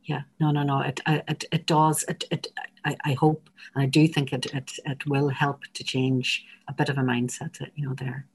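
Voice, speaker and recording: A woman's voice: very deep voice, little pitch movement, moderate pace, slightly rough. An Irish woman explaining things as an interview guest, often rephrasing herself as she goes. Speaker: interview guest, public health advocate.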